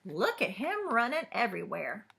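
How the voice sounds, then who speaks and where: A woman reading a storybook aloud to children as a librarian, with expressive narration. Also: fairly high pitch, moderate pace, vocal fry.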